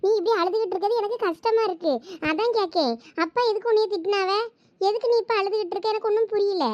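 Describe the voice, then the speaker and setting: ஒரு பெண் நடிக்கும் கிண்டலான கிராமத்துப் பெண். மிக உயர்ந்த குரலில் வேகமாகப் பேசுகிறாள். கேள்விகளை அடுக்கிக் கொண்டே, கூர்மையான நாக்குடன் கேலி செய்கிறாள். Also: female voice, very high voice, quick pace, dull audio. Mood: teasing. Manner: sharp-tongued, mocking, chatty. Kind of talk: comic skit acting.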